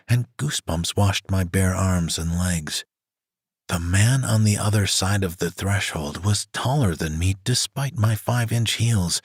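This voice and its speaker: Low husky male audiobook narrator. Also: no echo, studio quality. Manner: reads a woman's first-person story in an even voice. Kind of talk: scripted narration.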